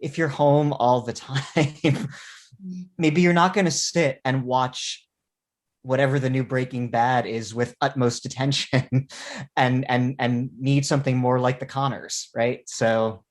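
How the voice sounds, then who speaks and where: Measured, scholarly man on a panel. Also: mid-range voice, steady tone. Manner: measured, academic phrasing. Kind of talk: informal academic panel discussion.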